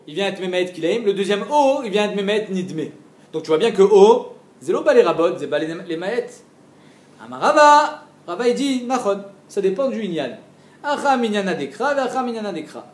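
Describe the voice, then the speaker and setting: Male Talmud teacher, high-pitched, explains patiently step by step, roomy echo. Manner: explains step by step, asks the listener questions, mixes in Hebrew and Aramaic terms. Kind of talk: daily Talmud lesson.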